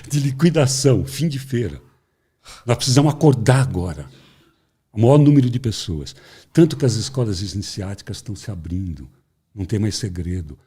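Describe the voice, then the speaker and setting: A man, an interview guest who tells a spiritual parable in an animated way. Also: lowish voice, slightly rough. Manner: animated storyteller, acts out voices. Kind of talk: spiritual storytelling talk.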